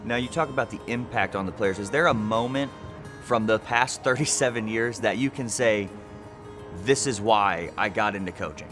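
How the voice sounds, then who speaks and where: A man's voice: lowish voice, moderate pace, fairly bright tone, faint music behind. A young man hosting a sit-down sports interview, asking prepared questions.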